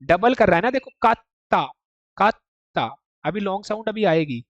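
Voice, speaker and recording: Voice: medium pitch, animated, normal speed, dry recording, dull audio. This is a language teacher leading an online class, explaining Japanese writing piece by piece. The delivery keeps checking whether the students follow and slips English terms into the explanation. The recording is dry and close, with no room sound. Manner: explains step by step, often checks understanding with "ठीक" and "देखो"; mixes English words into Hindi explanation.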